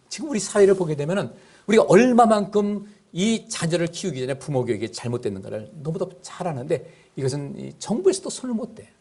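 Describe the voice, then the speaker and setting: Male pastor, middle-aged, husky and slightly high-pitched, animated, chatty sermon style. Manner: conversational preaching, asks the congregation questions.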